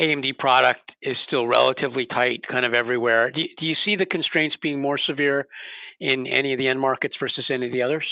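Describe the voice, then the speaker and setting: A man's voice: mid-range voice, gravelly, dry recording. A man working as a financial analyst, asking questions on an earnings call. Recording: dry, slightly dull phone call.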